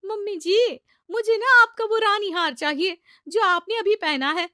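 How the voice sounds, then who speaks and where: A woman's voice: very high voice, measured pace, pushed and bright, dry recording, clean studio sound, voice pushed up, heavily acted. A woman voicing a polite, eager young newlywed bride with a sweet, girlish voice. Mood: pleading.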